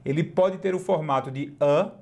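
Gravelly man teaching English. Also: on the high side, a little mellow. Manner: explains slowly and repeats examples, spelling out English words. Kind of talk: recorded online lesson.

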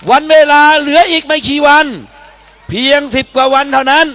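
A man's voice: very high-pitched, flat delivery, fairly quick, fairly bright tone. A man speaking at a political rally, declaiming in short, emphatic phrases as he urges people to back a candidate. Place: public campaign rally in Thailand.

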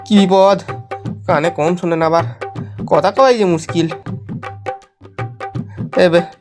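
Audio drama lead, male actor: self-important young ringleader with lofty ideals, declaiming, quick to exasperation, over background music. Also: high-pitched. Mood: determined, uneasy. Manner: declamatory, bombastic, easily exasperated. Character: bossy, grandiose young male gang leader turned do-gooder. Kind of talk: theatrical audio drama acting. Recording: music behind the voice.

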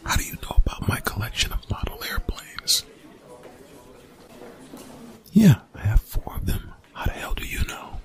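A man playing a young college bully in an ASMR roleplay, gruff, defensive and grudgingly apologetic, in hushed, breathy, exasperated slang with swearing. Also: huge pitch swings, normal speed, long pauses, poor audio. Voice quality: whispered, breathy, gravelly low voice.

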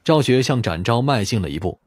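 A man's voice: mid-range voice, expressive, a little fast, a little mellow, slight background noise. A man reading a crime novel as a scripted, dramatic audiobook narration.

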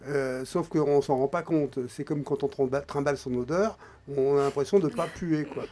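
A man in his forties, a guest in a radio studio, explaining at a measured, hesitant pace and often trailing off quietly. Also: on the high side. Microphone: studio microphone, wearing headphones.

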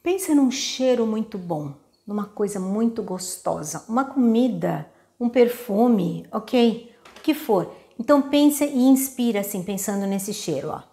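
A woman from Brazil teaches singing, giving a patient breathing lesson in steps with demonstrations and frequent check-ins with her students. Her Brazilian Portuguese-accented voice is medium-pitched, mellow and expressive, a little slow, and she barely pauses.

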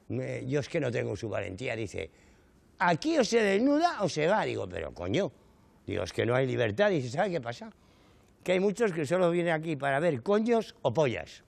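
A man's voice: medium pitch, vocal fry. A middle-aged man with a Canary Islands Spanish accent performs a stand-up monologue, telling his stories with indignant exaggeration and frequent rhetorical asides to the audience. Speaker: comedian. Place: studio stage before a live audience.

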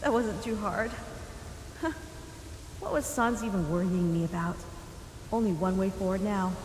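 A woman playing a gentle, uneasy young human adventurer in a comic dub, soft, hesitant and sincere. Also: mid-range voice, normal speed, big-room sound, background noise, natural voice. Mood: puzzled, determined. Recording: music behind the voice.

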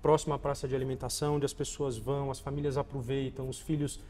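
Speaking fast in a level, mid-range, slightly mellow voice, this forties-aged shopping mall executive from Goiás, Brazil, answers interview questions in a smooth, conversational way. The room is reverberant, with faint background noise.

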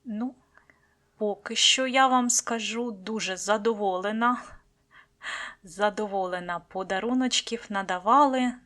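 A woman's voice: medium pitch, a little slow. Chatty woman unboxing seeds, slipping into whispers. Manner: chatty, fond of diminutives, drops to a soft whisper at times. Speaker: gardening vlogger. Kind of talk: casual unboxing chat.

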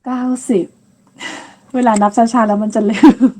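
A woman giving a patient counting lesson, repeating each word slowly and clearly and ending phrases politely. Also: on the high side, little pitch movement. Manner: polite, ends phrases with soft particles. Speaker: language teacher. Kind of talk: slow step-by-step counting lesson.

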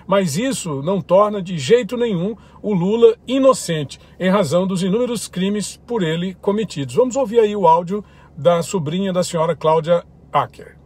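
A man with a high, husky voice delivers opinionated news commentary. He reads each item in a firm, critical tone, like a commentator hosting his own channel. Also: a little mellow. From Brazil.

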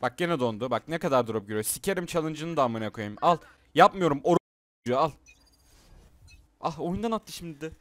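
A man's voice: a little high, lively intonation, moderate pace, pauses often, no echo. A young man streaming a game, ranting and swearing at his freezing computer while he talks to his teammates. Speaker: gamer streamer. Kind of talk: angry gameplay commentary.

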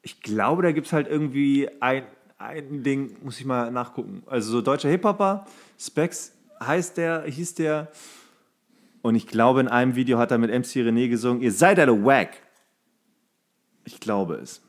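A man's voice: medium pitch, normal speed. A man co-hosting a podcast, chatting casually and comically in a loose, rambling way. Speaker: podcast co-host. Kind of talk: casual comedic banter.

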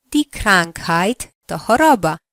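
A woman running a language lesson, giving slow, carefully articulated prompts for the learner to answer. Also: medium pitch, expressive, a bit bright, dry recording, studio quality. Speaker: language teacher.

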